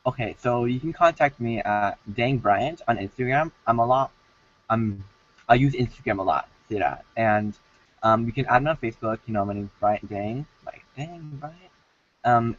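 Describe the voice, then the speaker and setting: A man chatting casually as a guest on a livestream, halting and informal, over a video call. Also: fairly low pitch, a little hiss or hum. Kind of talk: casual chat. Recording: distant mic, dull video-call sound.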